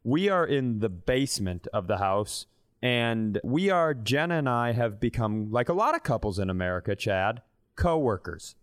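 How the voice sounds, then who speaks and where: A man's voice: mid-range voice, big pitch swings, moderate pace. A man in his thirties talks as a comedy podcast co-host. He tells stories in a loose, conversational way, blunt and sweary, and slips into quoted lines to act them out. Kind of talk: animated casual comic storytelling.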